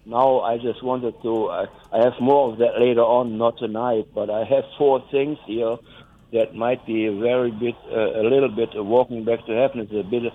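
An older man from West Germany, a native German speaker with a German accent, calling in to a radio show and rambling in a halting way, chuckling at his own jokes. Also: medium pitch, fairly even intonation. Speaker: caller. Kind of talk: phoning in to a radio talk show. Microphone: telephone. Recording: tinny phone line.

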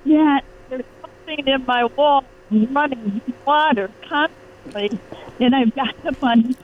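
On a tinny, noisy phone line that bubbles like it's underwater, a caller in their nineties rambles anxiously during a call-in radio chat. They speak in a high-pitched voice and slowly.

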